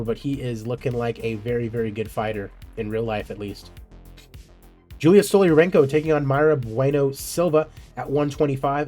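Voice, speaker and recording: A man's voice: mid-range voice, a little mellow. A man hosting a video game series, giving casual commentary on simulated fight results with offhand asides. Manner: conversational, offhand remarks and asides.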